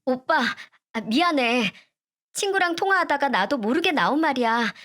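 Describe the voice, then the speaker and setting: A clingy young fiancée in a storybook reading, whining and begging to be forgiven, as a woman narrator puts her on. The voice lifts high above the narrator's and comes out a little louder. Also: lively intonation, moderate pace. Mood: pleading. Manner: pleading, whiny.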